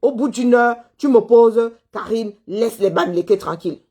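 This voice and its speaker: A Cameroonian commentator answering viewers speaks at normal speed in a fairly high, slightly mellow voice. Heated and scolding, she repeats herself and fires rhetorical questions at her listener.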